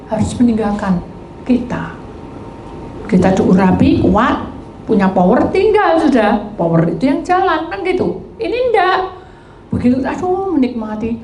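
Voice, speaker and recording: A middle-aged woman pastor, preaching with animated storytelling and acted-out dialogue. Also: fairly high pitch, reverberant, slight background noise, poor audio. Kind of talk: sermon.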